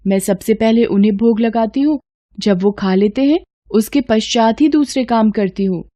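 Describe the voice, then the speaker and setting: A woman's voice: fairly high pitch, moderate pace, warm tone, natural voice. A woman voicing a devout, innocent and stubborn young village girl who talks earnestly and pleads with her god. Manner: earnest, pleading, chatty devotion.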